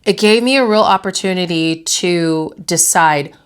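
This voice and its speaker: Woman, young adult, slightly nasal from a cold, lowish voice, calm motivational vlog talk. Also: a little slow, smooth. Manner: calm, reflective, coaching tone with direct questions. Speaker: vlog host and interior designer. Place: her bedroom at home.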